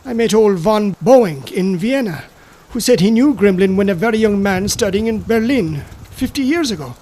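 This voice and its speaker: A man voicing a reluctant male companion who speaks in a hesitant, measured way. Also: high-pitched, expressive, dark tone.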